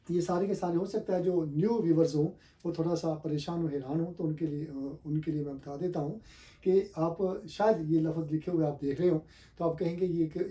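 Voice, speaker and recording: His voice is a little high and warm. He's a man with an Urdu-speaking South Asian accent giving a classroom-style English pronunciation lesson, repeating correct forms with stress and spelling words out one letter at a time.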